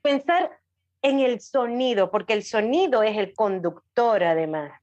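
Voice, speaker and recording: A woman's voice: fairly high pitch, expressive, measured pace, darkish tone, lo-fi sound. A woman chatting as an interview guest, talkative and emphatic as she explains and checks she is understood. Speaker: podcast guest, audiobook creator and writer. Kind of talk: casual interview talk.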